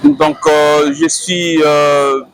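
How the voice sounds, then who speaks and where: Congolese journalist guy, pretty high voice, sure of himself, lots of euh. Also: steady tone, drawn-out words, no room sound, poor audio. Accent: Congolese French. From Democratic Republic of the Congo. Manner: confident, hesitant fillers, speaks in sayings. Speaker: guest, journalist. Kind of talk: casual interview talk.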